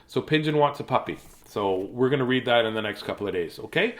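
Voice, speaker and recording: A man's voice: mid-range voice, lively intonation, quick pace. A man chatting casually and playfully while reading bedtime storybooks to children on a livestream.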